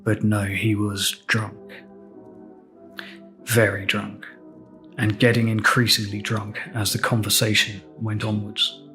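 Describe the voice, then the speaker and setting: A man with an English accent hosting a podcast, telling a personal story in a reflective, candid, unhurried way. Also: lowish voice, flat delivery, bright, forceful tone, faint music behind. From England. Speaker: podcast host.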